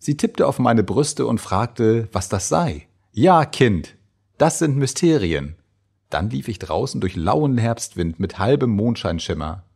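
A man giving a measured, expressive reading of old letters and diary entries. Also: on the low side, gravelly, husky. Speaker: reader.

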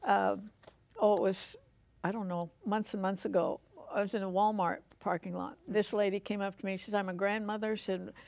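A woman's voice: mid-range voice, little pitch movement, fairly quick, gravelly, a little mellow. An older woman with an American accent hosting a conversational Christian television interview. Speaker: talk show host. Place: furnished living-room style TV studio set.

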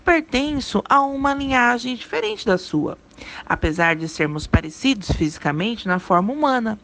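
A woman's voice: a little high, expressive, moderate pace, fairly bright tone. A woman reading a story aloud and voicing a teasing rural husband in folksy, laughing tones. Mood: earnest. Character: teasing rural husband, grown man, amused. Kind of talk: dramatic storytelling.

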